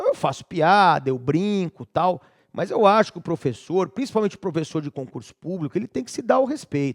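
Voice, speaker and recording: A man with a high pitch talks at a fairly quick pace, his tone animated and intonation lively, with big swings in loudness. The sound is dry and close, with no echo. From interior of São Paulo state, Brazil. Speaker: law professor and lawyer. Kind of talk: interview monologue. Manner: animated, colloquial.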